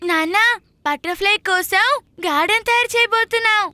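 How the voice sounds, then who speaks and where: A performer voicing an excitable, curious small child in a children's cartoon, with drawn-out exclamations. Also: very high voice, no room sound, studio quality, full character voice. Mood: puzzled, earnest. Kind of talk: animated children's cartoon dialogue.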